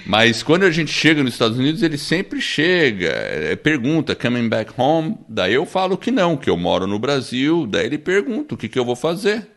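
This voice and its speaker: A man with a São Paulo accent, co-hosting a podcast in casual book-discussion chat, chatty and quick to laugh, often tagging lines with a questioning "né?". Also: medium pitch, sing-song, fairly bright tone. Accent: São Paulo Portuguese. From born in the United States, raised in Brazil. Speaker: podcast co-host.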